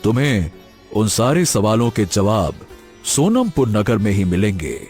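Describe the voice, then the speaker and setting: An actor voicing a wise, mysterious old hermit sage in a cartoon story, speaking calmly and soothingly. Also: male voice, lowish voice, faint music behind. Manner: calm, soothing, measured.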